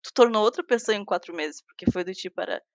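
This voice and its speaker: A woman, a software engineer talking casually as a guest in an interview, with many restarts and fillers. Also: mid-range voice, fast, dry recording, highs cut off. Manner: chatty, frequent restarts and fillers, laughs while talking.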